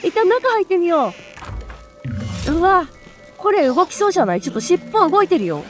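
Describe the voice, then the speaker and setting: Bubbly high-voiced woman streamer. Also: soft background music. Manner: excitable, chatty, quick exclamations. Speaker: let's play streamer. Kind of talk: live gameplay commentary.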